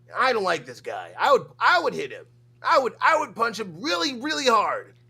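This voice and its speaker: A put-on character voice with high pitch moves along at a moderate pace. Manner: blunt, aggressive.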